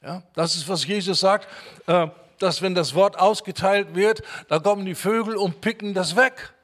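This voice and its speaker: High-voiced man preaching emphatically. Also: fairly bright tone. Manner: emphatic, repeats key words, quotes scripture slowly. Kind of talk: sermon.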